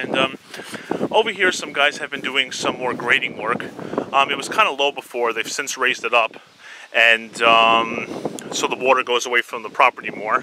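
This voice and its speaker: Noticeable noise sits in the background of a dry recording that has no echo. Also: man, ordinary pitch variation, moderate pace. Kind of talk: casual vlog chat. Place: garden. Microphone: phone near.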